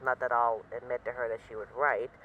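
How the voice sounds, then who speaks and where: A woman's voice: very deep voice, level tone, fairly quick, fairly bright tone, lo-fi sound. A woman playing a self-assured, bored mafia boss in an intimate voice-message roleplay, wry, boastful and affectionately teasing her partner. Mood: teasing, rueful. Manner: wry, boastful, teasing, mock-indignant, swearing casually.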